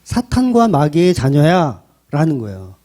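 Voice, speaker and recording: A man's voice: a little high, wildly swooping pitch, unhurried, warm tone. A man pastor delivering a blunt, colloquial sermon full of rhetorical questions.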